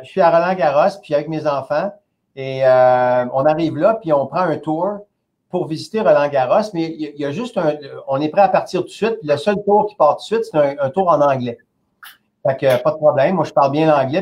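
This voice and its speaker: Interview guest, Québécois man in his 50s, lively storyteller, a bit high-pitched. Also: highs cut off. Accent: Québécois French. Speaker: company president, interview guest. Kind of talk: casual anecdote telling.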